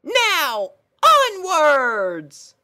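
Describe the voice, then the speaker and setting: A man voicing a perky, bossy female unicorn princess in a story, chirpy and pushy in falsetto. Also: huge pitch swings, drawn-out words, bright, forceful tone, full character voice. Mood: bossy, eager.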